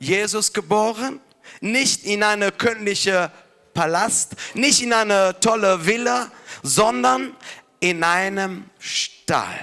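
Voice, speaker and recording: This man speaks very slowly, with a slight Italian accent and long, frequent pauses. His raised, projected voice is high-pitched and bright and sharp, with lively intonation. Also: very even loudness. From Italy. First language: Italian (speaking German). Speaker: pastor. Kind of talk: sermon. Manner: halting.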